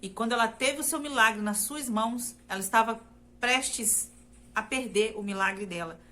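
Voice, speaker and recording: Bright-voiced Brazilian woman giving testimony. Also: a little high, moderate pace. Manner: earnest, repetitive, addresses listeners as "gente". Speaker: testimony speaker. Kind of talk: personal faith testimony.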